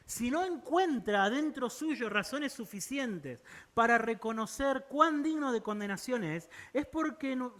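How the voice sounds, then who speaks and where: A man's voice: extremely high pitch, fairly bright tone. A man preaching a sermon in Argentine Spanish, earnest and pleading, often checking in with his listeners. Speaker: pastor.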